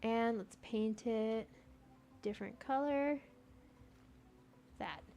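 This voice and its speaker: A woman's voice: a little high, slow, mellow. Chatty young woman streaming a game. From United States. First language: Persian. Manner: chatty, talks to herself while playing. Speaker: gaming streamer. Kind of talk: casual gameplay chat, answering viewer chat.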